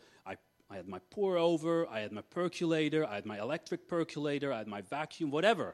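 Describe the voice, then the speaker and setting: The recording is very clean with a silent background. A man speaks at a moderate pace, his pitch swinging very widely. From Netherlands. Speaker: church worship leader. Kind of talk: sermon. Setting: church.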